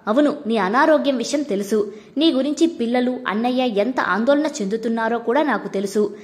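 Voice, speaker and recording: Storybook friend, frank and probing, caring underneath, read by a woman in a fairly high voice. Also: a little fast, darkish tone, natural voice. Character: caring close woman friend, blunt and teasing.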